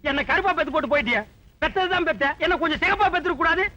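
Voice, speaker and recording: A man's voice: extremely high pitch, rapid-fire, sharp tone, dull audio, faint music behind. An actor playing a vain, boastful village man posing as a head constable, who talks pompously and drops broken English into his lines. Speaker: comic actor in a film scene. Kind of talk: film comedy dialogue.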